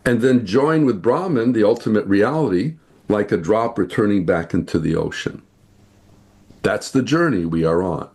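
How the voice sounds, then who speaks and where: A man from the United States, a guest in an interview, earnestly explaining ideas and slowing down to stress his points. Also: lowish voice, a little mellow. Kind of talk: spiritual interview talk.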